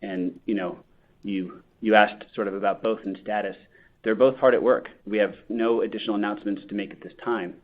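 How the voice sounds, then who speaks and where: A man speaking in measured, careful corporate phrasing as an executive on a conference call, with dull sound. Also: lowish voice, fairly even intonation. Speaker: company executive. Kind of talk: corporate earnings call answer.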